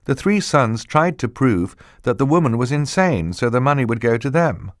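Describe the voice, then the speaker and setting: A man voicing an anxious teenage girl, higher voice. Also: expressive, moderate pace, dry recording, clean studio sound, natural voice. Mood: earnest. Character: clever teenage girl, worried and thoughtful. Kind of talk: audiobook character voice.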